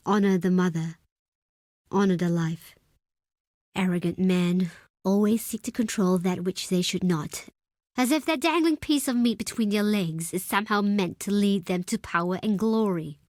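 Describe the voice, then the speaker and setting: A woman's voice: medium pitch, a little mellow, no room sound, clean studio sound, lightly acted. A woman playing a proud, stern tribal deputy leader in a video game, speaking in a solemn, formal, imperious way. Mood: scornful, proud. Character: proud, stern desert tribe woman, second-in-command, wary of outsiders. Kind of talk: dramatic video game character acting.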